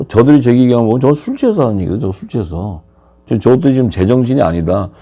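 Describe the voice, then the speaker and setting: A man preaching a sermon, lively and questioning his listeners, his pitch swinging up and down. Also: fast. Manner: animated, asks the audience questions, pitch swings widely.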